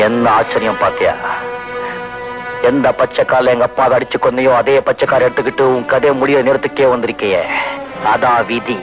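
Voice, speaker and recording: A man's voice: mid-range voice, fairly even intonation, a little fast, close to an everyday voice, low-quality recording. An actor playing a vengeful young man who menaces his father's killer in a declamatory way, from an old film soundtrack with music behind. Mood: menacing.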